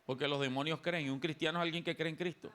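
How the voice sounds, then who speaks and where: A man's voice: a little high, steady tone, fast, a bit bright. A man from Colombia preaching a sermon as pastor in a church, emphatic and calling on the congregation to repeat after him. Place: church sanctuary.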